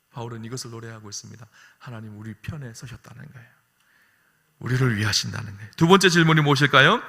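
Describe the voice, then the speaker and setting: Male pastor, forceful sermon in a reverberant church, gravelly edge. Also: fairly high pitch. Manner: emphatic preaching that swings from soft to loud; often asks the congregation short questions. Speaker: senior pastor. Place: church sanctuary. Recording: long hall reverb.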